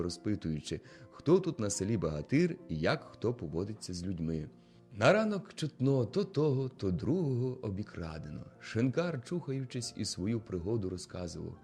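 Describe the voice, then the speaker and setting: A man narrating a classic novel as an audiobook in a steady storytelling manner. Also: lowish voice.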